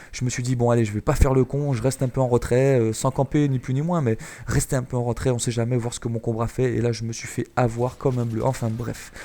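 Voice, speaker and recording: A man's voice: mid-range voice, warm tone. A man from France giving chatty, explanatory commentary over a shooter gameplay video, with many hesitations. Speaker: gaming YouTuber.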